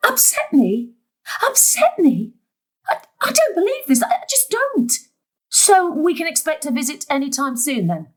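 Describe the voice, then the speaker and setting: High-pitched, harried middle-aged mother. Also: very animated, a little slow. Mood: upset, disbelieving. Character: harried, long-suffering mother caring for mother and daughter. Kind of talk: naturalistic drama acting.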